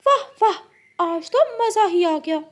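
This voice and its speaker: A woman's voice: very high-pitched, unhurried. A woman voicing a chirpy cartoon parrot. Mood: gleeful. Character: high-voiced male parrot, friendly.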